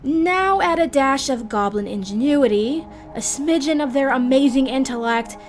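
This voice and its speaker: High-voiced woman narrating over music. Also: lively intonation, moderate pace. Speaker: host of a roleplay guide series. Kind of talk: scripted narration.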